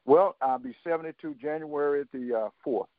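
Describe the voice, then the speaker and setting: A man in his seventies, a guest on a talk radio show, telling his story haltingly with many fillers and restarts and quoting others in dialogue. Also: a little high, no room sound. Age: 70s. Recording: dry, tinny phone line.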